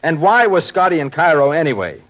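An actor playing a probing, authoritative security chief, speaking briskly and seriously in 1950s radio drama style. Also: male voice, a little high, sing-song, a bit bright. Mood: grave, puzzled. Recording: muffled 1950s radio recording.

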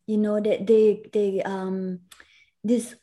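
Speaking slowly with a flat delivery, this woman has a medium-pitched, warm voice, with slight background noise behind her. She's an Italian guest educator whose first language is German, earnestly explaining things in a conversational interview with frequent restarts.

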